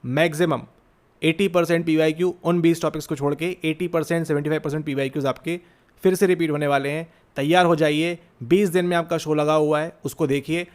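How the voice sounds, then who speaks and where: A man lectures students preparing for an exam, his voice sitting slightly higher than most men's. He is urgent and exhorting, and keeps stopping to check they are following. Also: fairly even intonation, a little fast. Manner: urgent, exhorting, repeats "theek hai?" often. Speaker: exam coaching teacher. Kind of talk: motivational exam-prep lecture.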